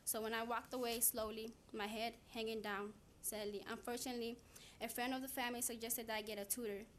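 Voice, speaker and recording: A woman's voice: on the high side, level tone, fairly quick, fairly bright tone, slight background noise. A teenage girl from Somalia, giving an earnest prepared speech as a student speaker, sometimes repeating herself when stuck. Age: teens. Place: city hall chamber.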